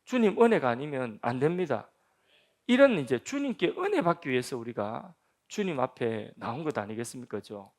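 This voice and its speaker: A man's voice: mid-range voice, sing-song, moderate pace. A man, a senior pastor, preaching a sermon at a church prayer meeting with emphatic delivery and frequent rhetorical questions to the congregation. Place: church sanctuary.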